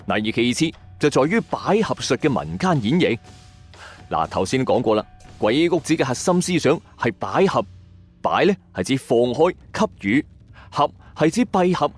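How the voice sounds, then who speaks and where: Casting: male mystery-channel host, Hong Kong Cantonese accent, middle register, very animated intonation, colloquial scripted storytelling. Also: medium pitch. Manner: storyteller's delivery with rhetorical questions and colloquial asides. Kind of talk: scripted late-night mystery narration.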